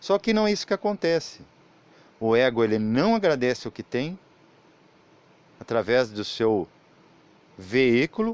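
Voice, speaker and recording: At a fairly slow pace with long, frequent pauses, the speech swings very widely in pitch, heard as a dry, close sound with no echo. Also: man, medium pitch for a man. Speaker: spiritual teacher. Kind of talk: spiritual talk.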